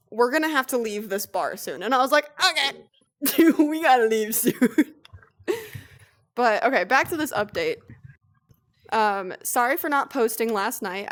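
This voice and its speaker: A young woman co-hosting a casual stream, reading posts aloud and telling stories with lively, profane energy. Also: on the high side. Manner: animated storytelling, swears freely. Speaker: streamer, co-host.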